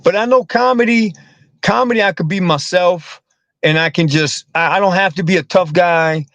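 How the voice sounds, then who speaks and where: A man's voice: high-pitched, normal speed, a bit bright, no room sound. A man, a comedian and actor, talking casually in an interview, rambling and repeating words with streetwise slang.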